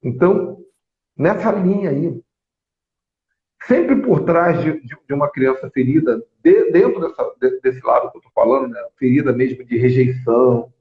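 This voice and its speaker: A man, apostle and host, telling stories in a lively live religious teaching talk. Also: medium pitch, moderate pace. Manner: animated storytelling, many restarts. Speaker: apostle and prophet, show host. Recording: echoey, phone-like thin sound.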